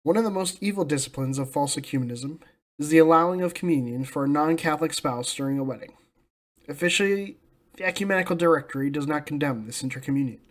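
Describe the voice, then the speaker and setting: Higher-pitched American man, solemn religious commentary. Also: fast talker. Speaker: host of a religious commentary channel. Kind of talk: scripted polemical commentary.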